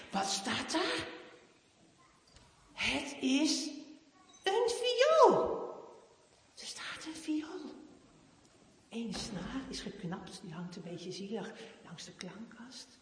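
A woman reading a children's Christmas story aloud in an expressive, animated manner. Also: on the high side, a little hiss or hum. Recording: echoey hall.

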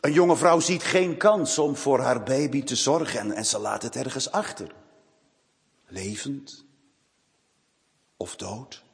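A man's voice: medium pitch, takes it slowly, gravelly, long pauses. A man preaching a sermon who often repeats the first word of a phrase. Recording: long hall reverb.

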